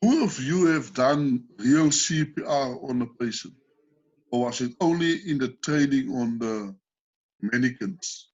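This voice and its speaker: A South African man leads a first aid class over a call, patient and explanatory, often pausing to ask the group questions. His voice is husky and mid-pitched. The call audio is dull and lo-fi. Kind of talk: online training session.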